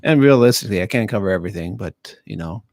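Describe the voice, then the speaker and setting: Low-voiced man talking haltingly on radio. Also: expressive, a little mellow, dry recording. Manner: halting, many fillers and restarts. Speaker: county veterans affairs officer, studio guest. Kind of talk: casual radio interview. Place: radio studio. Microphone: studio microphone.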